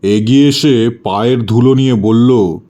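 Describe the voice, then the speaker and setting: A man's voice: medium pitch, measured pace, dark tone. A man storyteller giving a dramatic first-person narration of a horror story. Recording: music bed under the voice.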